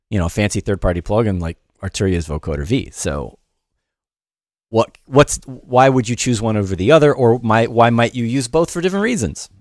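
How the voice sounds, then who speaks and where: A man's voice: medium pitch, no echo. A middle-aged man hosting a loose, off-the-cuff livestream music production lesson from his studio, greeting chat viewers with many fillers and restarts. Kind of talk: casual livestream tutorial, chatting with viewers. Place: home studio in New York.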